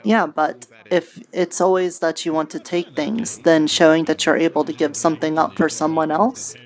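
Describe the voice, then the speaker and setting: A woman doing improvised in-character roleplay, speaking in an earnest, measured, diplomatic way. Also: sits low, steady tone. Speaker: roleplay streamer playing a character.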